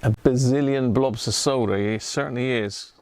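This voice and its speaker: At a moderate pace, a man with a slightly mellow, mid-range voice gives casual live commentary while repairing electronics. He chats and half mutters to himself as he works.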